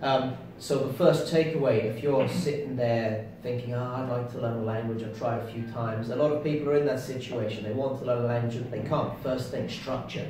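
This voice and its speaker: A man's voice: mid-range voice, steady tone, a little fast, hardly any pauses, darkish tone, very echoey, distant mic, slight background noise, low-quality recording. A man from England, co-hosting a casual chat about learning languages with dry, self-deprecating humor. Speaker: co-host.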